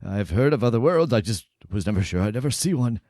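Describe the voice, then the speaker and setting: Man playing a softly spoken, formal fantasy professor. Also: lowish voice, animated, fast, no echo, clean studio sound, lightly acted. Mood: polite wonder. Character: polite, curious professor new to other worlds. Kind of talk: in-character tabletop role-play.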